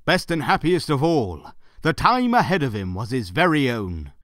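A man's voice: mid-range voice, big pitch swings, moderate pace, fairly bright tone, no echo, studio quality. A man narrating a Christmas audio drama as a wry, theatrical storyteller.

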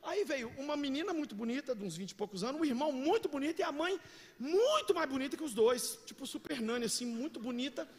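High, lively pastor preaching in a hall. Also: male voice, quick pace. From Brazil. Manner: animated storyteller, bursts into shouts, slangy. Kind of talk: energetic sermon with acted anecdotes. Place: church hall. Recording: reverberant church hall.

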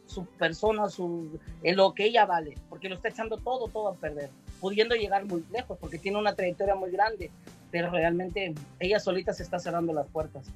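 A man's voice: high-pitched, fairly quick, soft background music. A man speaking as a psychic guest on a video call, rambling and repeating his words. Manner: rambling, repeats words, says "directamente" often.

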